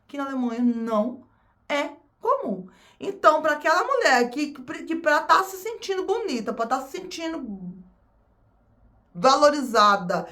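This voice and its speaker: Brazilian-accented woman vlogger, high pitch, casual and talkative to camera. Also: a bit bright. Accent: Brazilian Portuguese. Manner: chatty, repeats phrases, addresses viewers as "gente".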